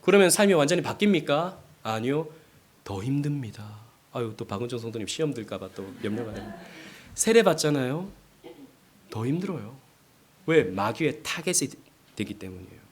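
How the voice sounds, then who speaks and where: A man's voice: mid-range voice, expressive, moderate pace, husky. A male pastor preaching a sermon, acting out the lines of quoted voices as he goes. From South Korea.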